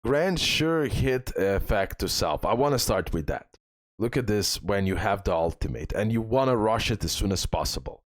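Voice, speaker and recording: A gaming content creator with a low voice hosts an animated guide at a moderate pace, recorded close and dry. Addressing viewers straight on, he reads out skill text, explains it loosely, offers tips, and hammers home the important bits by repeating them.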